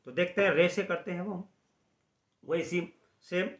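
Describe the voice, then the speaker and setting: A man teaching a singing lesson at the harmonium, slowly explaining notes and singing short chant phrases. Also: sits high, fairly bright tone, roomy sound. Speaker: music teacher.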